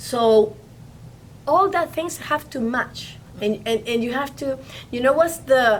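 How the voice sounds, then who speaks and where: This woman speaks with a Spanish accent. Her pitch varies in an ordinary way. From Venezuela. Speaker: film producer. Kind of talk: interview. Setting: studio. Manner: halting, many repetitions.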